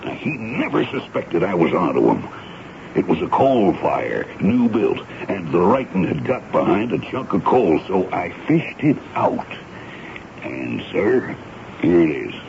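A man playing a dutiful, suspicious army sergeant in a 1970s radio drama, gravelly, folksy and deferential. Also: sits low, sing-song, a little slow, exaggerated voice. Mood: eager, insistent. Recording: noisy, dull 1970s radio broadcast recording.

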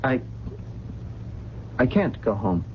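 Courteous, lost gentleman; mid-pitched, hesitant, earnest radio drama delivery, dull recording with faint noise. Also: big pitch swings, slow. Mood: pleading. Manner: hesitant, earnest, well-spoken. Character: polite, bewildered gentleman who has lost his memory. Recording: dull, noisy old radio broadcast.

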